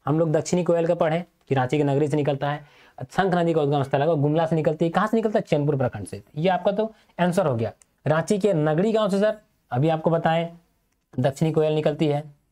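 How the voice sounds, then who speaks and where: A male teacher gives an exam-prep lecture in a dark-toned, fairly high voice at a slightly fast pace. He poses questions and answers them himself, repeating key points so his students will remember them.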